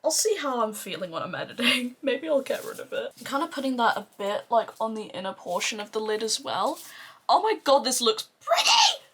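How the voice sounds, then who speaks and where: The husky-voiced woman you'd hear on a makeup tutorial, rambling playfully to her followers as she works. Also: fairly high pitch, lively intonation, fairly quick, few pauses, a bit bright. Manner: playful, sweary, self-deprecating. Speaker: beauty vlogger doing a makeup tutorial. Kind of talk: casual rambling chat to camera.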